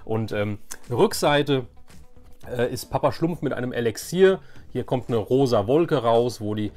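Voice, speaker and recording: A man in his forties presents a nostalgic show-and-tell with a medium-pitched voice. He is chatty and informal, repeating words for emphasis, with faint music behind him. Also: lively intonation, a little slow, darkish tone. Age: 40s. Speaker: YouTube host.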